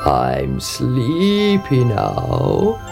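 A woman doing a slow, croaking frog. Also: extremely low pitch, wildly swooping pitch, pitched below the performer's own voice, full character voice. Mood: demanding. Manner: slow, drawn-out croaking demands. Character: slimy male frog, croaking and demanding. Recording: music playing underneath.

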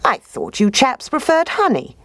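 A sly, smooth-talking male fox, put on by a woman narrator, pitched well above her own low voice. He coaxes in a genteel, flattering manner and sounds close and dry. The pitch swoops brightly from line to line. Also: normal speed, no room sound, heavily acted. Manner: genteel, coaxing, says "old boy".

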